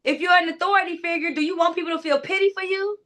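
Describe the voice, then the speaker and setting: A woman coaching clarity talks fast to her listeners, her intonation fairly even despite the emphatic, casual energy. She has a naturally high, loud voice and slips in plenty of asides during the motivational talk.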